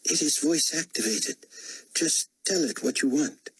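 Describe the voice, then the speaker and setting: A man doing a brisk, raised-voice young woman. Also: fairly high pitch, noisy background, pitched above the performer's own voice, lightly acted.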